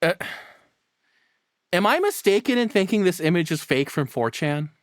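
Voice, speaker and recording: A streamer reacts off the cuff in a blunt, rambling, sweary way. The voice sits at a middle pitch with very animated intonation, recorded close and dry. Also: normal speed, no room sound. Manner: blunt, foul-mouthed, rambling. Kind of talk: casual off-the-cuff reaction commentary.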